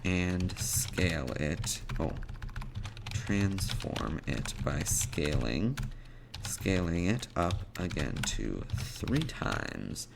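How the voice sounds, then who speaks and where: A man's voice: low voice, sing-song, very slow, vocal fry. A man presenting a programming tutorial, thinking aloud in short fragments as he narrates live coding without a script. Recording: noisy, with keyboard typing and mouse clicks. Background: keyboard typing and clicking.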